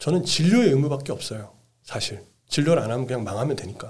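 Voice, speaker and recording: A man speaks at a medium pitch, somewhat breathy and fairly quick. Audible room echo surrounds his voice. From Daegu, South Korea. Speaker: surgeon, clinic director. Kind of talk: interview conversation.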